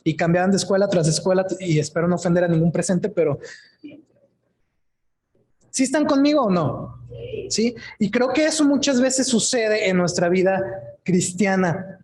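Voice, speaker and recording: A man's voice: high-pitched, fairly quick, a little mellow. A male pastor preaching a sermon in a conversational way, often asking his congregation questions and adding tag questions. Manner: frequent tag questions and restarts. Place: church service before a congregation.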